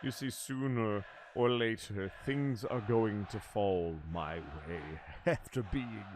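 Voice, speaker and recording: A man's voice: on the low side, takes it slowly, background noise. A man playing a menacing, self-pitying wrestling villain, delivering a promo monologue like a hammy, melodramatic stage actor. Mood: anguished, defiant.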